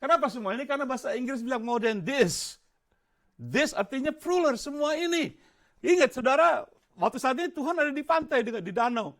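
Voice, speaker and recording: An older pastor preaches in a church with a high, lively voice that leaps up and down. He keeps tossing questions to the congregation and drops English phrases into his sermon. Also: fairly quick. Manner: animated preaching, quizzing the congregation.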